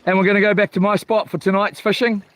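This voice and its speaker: High-voiced man with broad Kiwi accent. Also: level tone, fast, fairly bright tone. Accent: broad New Zealand. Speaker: fishing livestream host. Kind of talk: casual live vlog chat. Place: outdoors on a small boat at sea. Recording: faint outdoor water and boat noise.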